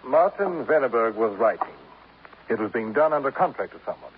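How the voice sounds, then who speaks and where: A man's voice: medium pitch, sing-song, brisk, natural voice. An actor doing a self-admiring poet who speaks in grand, ornate phrases, his voice rising and falling with theatrical flair. It comes through a tinny, hissy old radio broadcast. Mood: pompous. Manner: grandiloquent, formal, addresses others as sir. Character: pompous, florid male poet, self-admiring and fussy. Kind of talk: 1950s radio drama acting.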